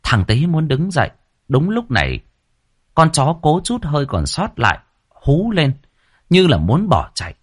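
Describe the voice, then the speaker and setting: A man narrating a scripted story with dramatic, expressive delivery. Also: on the high side, unhurried, slightly rough.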